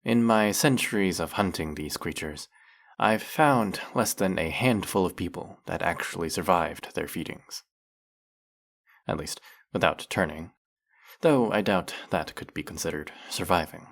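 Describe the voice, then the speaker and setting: A man playing a centuries-old, brooding vampire hunter in an audio roleplay, questioning with measured, wry menace. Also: low-pitched, creaky, heavily acted. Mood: knowing, grim. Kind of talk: dramatic audio roleplay, addressing the listener.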